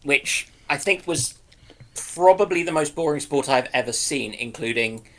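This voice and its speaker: A man's voice: medium pitch, lively intonation, moderate pace, bright, forceful tone. A man chatting casually as a co-host on a live stream. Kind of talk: casual chat.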